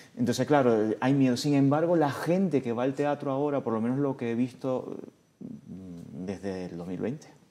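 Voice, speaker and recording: The man's dark, mellow tone carries ordinary pitch variation at a moderate pace. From Venezuela. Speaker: theatre director and actor; actor. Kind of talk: interview. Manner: halting. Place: studio. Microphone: lapel.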